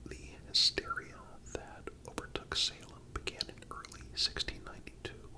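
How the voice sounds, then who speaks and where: A person whispering a scripted historical narration in a calm, deliberate ASMR style, breathy and broken by frequent pauses. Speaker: host and narrator.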